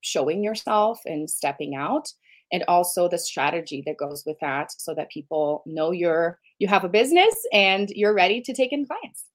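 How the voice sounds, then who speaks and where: A woman's voice: on the low side, animated, normal speed. A woman from Brazil, a business coach and podcast guest, who talks eagerly and at length. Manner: eager, talkative, laughs often. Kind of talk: conversational interview.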